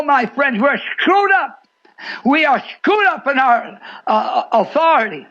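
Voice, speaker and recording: High, fiery preacher man on shortwave. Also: a bit bright. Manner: fiery, sing-song preaching with sudden swoops and repeats. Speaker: radio preacher. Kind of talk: shortwave radio sermon. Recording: muffled shortwave radio broadcast.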